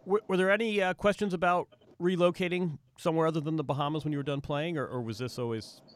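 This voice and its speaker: A man hosting an interview, asking halting, stammering questions in a casual tone. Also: on the high side, steady tone. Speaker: podcast host.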